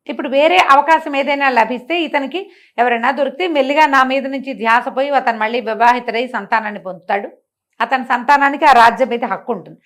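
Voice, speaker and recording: An older woman telling a traditional story in a chatty, animated way, adding her own comments. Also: on the high side. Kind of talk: oral storytelling with asides.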